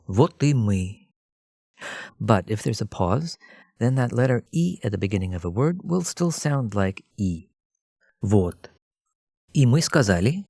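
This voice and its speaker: A man narrating a scripted language lesson as a teacher, explaining in a measured way and addressing the listener directly. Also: on the low side, vocal fry, darkish tone, dry recording, clean studio sound.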